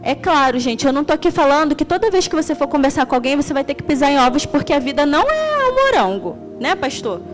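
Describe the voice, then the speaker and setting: A young woman from Rio de Janeiro preaches in a high, bright voice with a strong Carioca accent. She tells her stories in an extroverted, animated way, warm with laughter. Faint music plays softly underneath. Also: fast, hardly any pauses. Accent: Carioca Portuguese. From Rio de Janeiro, Brazil. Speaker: deaconess preaching. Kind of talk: sermon.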